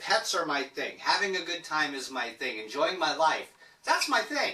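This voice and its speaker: Someone is shouting, loudly. Noticeable background noise runs underneath. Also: man. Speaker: gardening vlogger. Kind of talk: casual vlog monologue. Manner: loud, yelling. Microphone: no microphone, old one broke.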